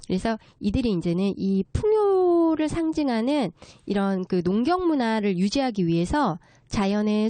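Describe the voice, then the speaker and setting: Woman explaining politely, mellow and lively-pitched. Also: no echo. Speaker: guest expert, children's story writer. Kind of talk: explanatory interview talk on local folk culture.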